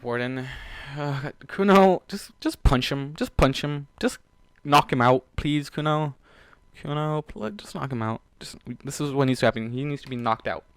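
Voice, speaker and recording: A man's voice: mid-range voice, moderate pace, clear, resonant tone, no room sound. Man reading aloud, swearing in dry close sound. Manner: emotional, exasperated asides, stumbles when reading. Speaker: host reading fan fiction aloud. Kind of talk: story narration broken by heated, sweary commentary.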